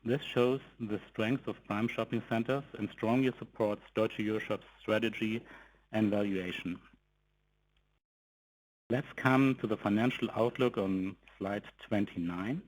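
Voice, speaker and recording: A man giving a formal, measured corporate presentation, reading from a script in short phrases as an executive on an investor call. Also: on the low side, fairly even intonation, poor audio. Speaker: company executive presenting financial results.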